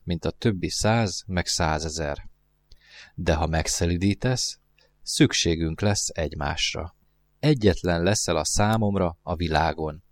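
A man's voice: sits low, natural voice. A man voicing a lonely, wistful male fox who talks in an earnest, musing way in a storybook reading.

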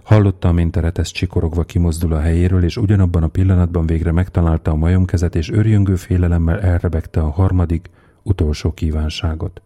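Deep, dark-voiced male storyteller. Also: fairly even intonation. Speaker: narrator. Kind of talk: audiobook reading.

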